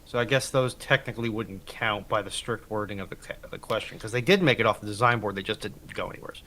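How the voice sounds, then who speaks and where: A man's voice: lowish voice, quick pace, bright, forceful tone, a little hiss or hum. A man chatting casually as a livestream panelist, making dry, wry remarks. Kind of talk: casual chat.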